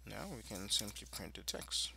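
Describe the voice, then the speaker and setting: A man presenting an informal screencast tutorial, explaining in a halting, improvised way. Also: lowish voice, steady tone, creaky, background noise.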